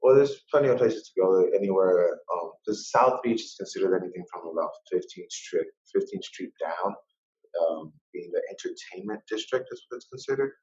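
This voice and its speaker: A man's voice: low-pitched, wildly swooping pitch, moderate pace, a little mellow, dull audio. A man guesting on a podcast, a bartender talking casually and emphatically, repeating his points to drive them home. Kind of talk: casual conversation.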